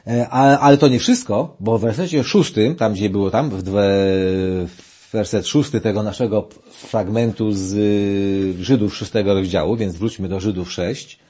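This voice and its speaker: A man's voice: mid-range voice, dark tone, breathy edge. A man giving a lecture on scripture, reading passages aloud and commenting on them, often restarting his sentences. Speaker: preacher. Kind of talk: Bible lecture.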